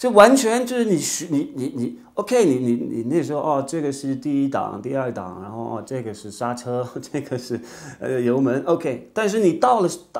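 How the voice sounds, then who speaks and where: A fairly high-pitched man's voice in a French accent, with very wide pitch swings at a moderate pace over a quiet background. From France. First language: French (speaking Chinese). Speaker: French language teacher. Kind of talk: tutorial. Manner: halting, many fillers and repeats. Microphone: lapel.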